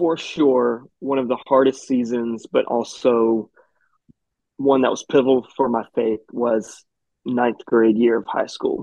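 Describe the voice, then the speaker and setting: A man's medium-pitched, dark and mellow voice, monotone and flat in intonation, at a fairly slow pace. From North Carolina, US South. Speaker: pastor and author. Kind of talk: interview conversation.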